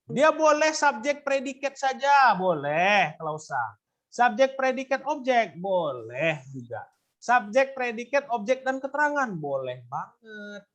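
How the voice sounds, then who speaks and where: A man's voice: extremely high pitch, big pitch swings, a little slow, fairly bright tone. A male teacher explaining grammar to students, asking questions and prompting them to answer. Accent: Indonesian. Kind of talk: classroom lesson.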